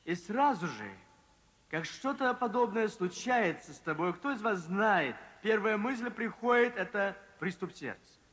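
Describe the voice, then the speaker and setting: High-voiced man preaching in echoing hall. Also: expressive, a bit bright. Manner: emphatic, slows and drops pitch for drama. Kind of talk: sermon storytelling. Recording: long reverb from a large hall.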